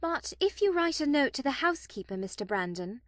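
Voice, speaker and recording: A woman playing an impulsive, eager young gentlewoman in a dramatised classic novel. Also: high-pitched, moderate pace, dry recording, clean studio sound.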